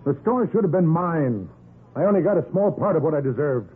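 Cornered murderer, highish gravelly voice, melodramatic menace, thin 1940s radio sound. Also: male voice, expressive, a little fast, narrow, tinny audio. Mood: bitter, cornered. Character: desperate male murderer, armed, threatening, bitter and self-justifying. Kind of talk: 1940s radio crime drama acting. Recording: band-limited, noisy 1940s radio recording.

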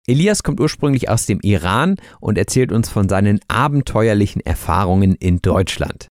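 A male podcast host introduces the episode and asks questions in a clear, measured, teacherly way. His voice sits somewhat low. The sound is close and dry, with no room around it. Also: a little mellow, no room sound. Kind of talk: podcast hosting and interviewing.

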